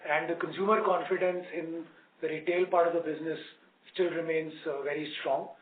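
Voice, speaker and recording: Distant, echoey Indian man, higher-pitched. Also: fairly even intonation, a little fast. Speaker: company executive. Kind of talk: earnings call explanation. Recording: echoey, distant, dull, noisy conference line.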